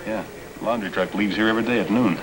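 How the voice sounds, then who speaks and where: A man's voice: on the low side, fast, close to an everyday voice. Guy acting tough scheming convict, prison inmate slang, old 50s movie, real noisy soundtrack. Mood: conspiratorial, urgent. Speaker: actor in a prison drama. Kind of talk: 1950s black-and-white screen drama acting.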